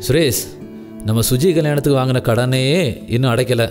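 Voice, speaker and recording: An older man playing a worried father in a radio drama, speaking in a weary, anxious, hushed way. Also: mid-range voice, moderate pace, music in the background, lightly acted. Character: aging worried father, burdened by debts.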